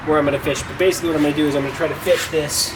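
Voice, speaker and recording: A man's voice: fairly high pitch, steady tone, rapid-fire. Distant, noisy man's voice narrating DIY work. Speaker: DIY car tutorial host. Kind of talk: casual how-to narration while working. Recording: distant mic, clearly noisy, vehicle ambience.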